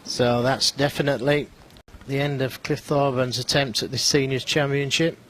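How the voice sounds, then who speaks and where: A man giving sparse, conversational snooker commentary in short, measured observations. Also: medium pitch, steady tone, a bit bright, slight background noise.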